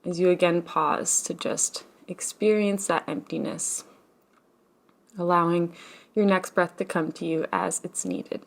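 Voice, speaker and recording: A woman leading a guided meditation as a teacher, speaking in a gentle, soothing, unhurried manner with long pauses. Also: on the low side, fairly even intonation, vocal fry.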